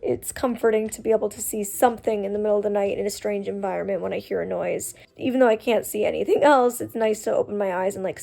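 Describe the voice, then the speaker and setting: Chatty young woman with vocal fry. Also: mid-range voice, warm tone. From Canada. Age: 20s. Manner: chatty, frequent "like" and "um" fillers. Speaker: vlogger. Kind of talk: casual vlog chat. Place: at home, then a furniture store.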